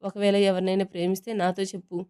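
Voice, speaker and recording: Firm, protective young wife, read by a female storyteller, mellow and smooth. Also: medium pitch, level tone, quick pace, close to an everyday voice. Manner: firm and caring.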